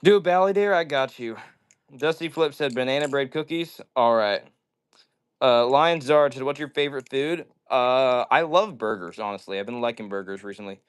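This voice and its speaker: A man's voice: medium pitch, normal speed, smooth. A man hosting a live stream, chatting casually and reading out viewer messages in slangy, upbeat talk. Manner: upbeat slangy greetings, says "dude" and "yo" often.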